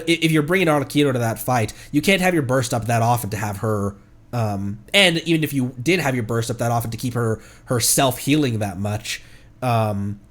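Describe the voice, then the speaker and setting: Congested man rambling on a game stream. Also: medium pitch. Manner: rambling, halting, self-correcting. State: congested, stuffed-up nose. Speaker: livestreamer, VTuber. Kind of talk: casual game stream commentary.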